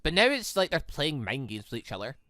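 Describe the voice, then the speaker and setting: Excitable, bright-voiced let's-player with swooping pitch. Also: a little fast, no room sound, clean studio sound. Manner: excitable, rambling asides. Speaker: host playing and reading a visual novel. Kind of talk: let's-play commentary and read-aloud.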